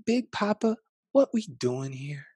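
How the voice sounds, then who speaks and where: A man's voice: fairly high pitch, sing-song, slow, mellow, slightly rough, no echo, pitched above the performer's own voice, exaggerated voice. A man voicing an anxious, tender little boy in a storybook, asking questions in a plaintive, curious way. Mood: puzzled.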